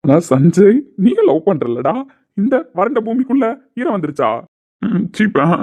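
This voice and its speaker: A man's voice: high-pitched, very animated, unhurried, exaggerated voice. A man playing a teasing young friend. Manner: teasing, playful. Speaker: actor in a web series. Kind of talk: dramatic dialogue. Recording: dull lo-fi recording.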